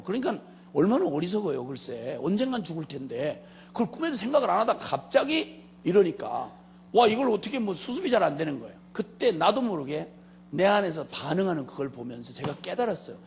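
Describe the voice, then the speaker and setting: A middle-aged man delivers a sermon with a gravelly, slightly high voice and wildly lively intonation. He tells stories with a comic edge, swinging from loud emphasis to quiet asides. He speaks directly to the congregation as he goes. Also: fast talker, slight background noise. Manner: animated storytelling, swings between loud and hushed; joking, addresses the congregation directly. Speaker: missionary preacher.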